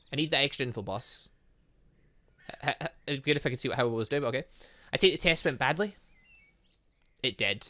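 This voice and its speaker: A man's voice: fairly high pitch, sharp tone, dry recording. A man reading game dialogue aloud in a let's play, adding his own commentary and often stumbling over words and correcting himself. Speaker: gaming YouTuber reading a visual novel aloud.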